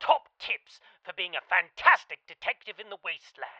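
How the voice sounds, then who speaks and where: A put-on character voice delivers its lines at a moderate pace. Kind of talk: chirpy radio host. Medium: audio drama. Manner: polite, upbeat.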